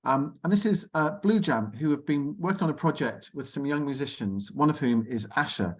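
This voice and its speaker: A man's voice: fairly high pitch, animated, fairly quick. Chatty man hosting an online discussion. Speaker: host. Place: video call.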